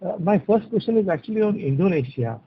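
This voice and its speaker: A man's voice: sits high, lively intonation, quick pace, a little hiss or hum. A man, an analyst politely opening his question on a conference call. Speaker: financial analyst caller. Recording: tinny narrowband phone line.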